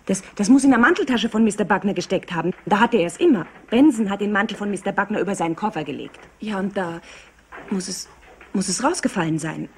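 An actress playing a nervous, defensive office secretary in a German crime drama, halting and easily flustered. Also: female voice, medium pitch, slight background noise, lightly acted. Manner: halting, repeats words. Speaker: actor dubbing an office secretary.

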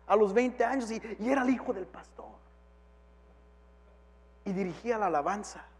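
Pastor, male, very high voice, preaches with sudden shouts, switches into English now and then, long hall echo. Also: normal speed. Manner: swings from quiet to shouting; mixes English phrases into Spanish. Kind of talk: sermon.

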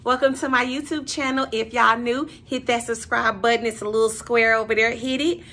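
Bright-voiced slangy woman vlogger. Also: a little high, a little fast. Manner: animated, slangy, addresses viewers as y'all and sis. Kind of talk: casual vlog chat to camera.

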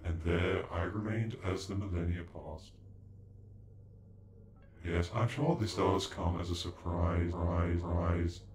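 A man's voice: low-pitched, little pitch movement, slow pace, darkish tone, slight background noise. A man playing an ancient alien android in a sci-fi ASMR roleplay, speaking in formal, stilted, condescending phrases with glitchy robotic stutters. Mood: grave, explanatory. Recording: echoing, with music behind.

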